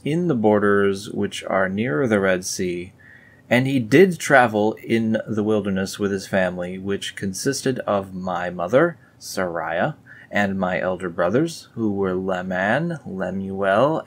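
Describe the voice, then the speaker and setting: A man reading a religious text aloud and breaking off for dry, sarcastic comments in a casual tone. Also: on the low side. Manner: sarcastic, dry asides after solemn read-aloud passages. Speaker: video host reading scripture aloud. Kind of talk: casual read-along with sarcastic asides.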